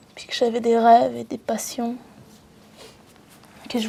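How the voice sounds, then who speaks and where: Noticeable background noise sits under this recording. A woman speaks at a fairly slow pace with a fairly high pitch. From Quebec, Côte-Nord (Innu community). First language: Innu (speaking French). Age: 20s. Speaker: art student. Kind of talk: documentary interview. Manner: reflective, halting.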